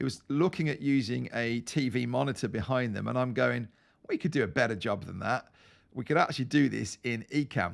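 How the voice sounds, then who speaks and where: A man speaks with a British accent at a fairly quick pace, his pitch in the medium range. His intonation is lively, and the recording is very clean with a silent background. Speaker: software trainer. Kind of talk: live stream tutorial.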